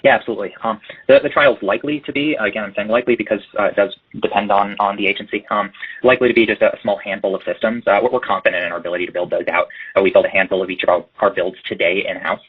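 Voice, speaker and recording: Deep-voiced male executive on a call. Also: steady tone, rapid-fire, slightly rough. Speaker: company executive. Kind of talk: earnings call Q&A answers. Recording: muffled, band-limited conference call line.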